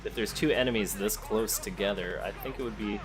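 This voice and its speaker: A man with a fairly low voice commentates casually on a video game. He thinks aloud through his moves and addresses the characters directly. Faint music plays behind him. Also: a little fast. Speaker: let's play host. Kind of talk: casual gameplay commentary, sometimes reading game text aloud.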